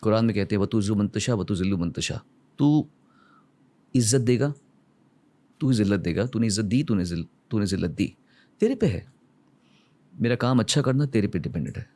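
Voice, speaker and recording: A man's voice: on the low side, lively intonation, brisk, long pauses, warm tone. Earnest Indian man telling heartfelt stories. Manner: earnest, emotional, mixes English into his speech. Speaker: guest. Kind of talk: reflective conversational storytelling.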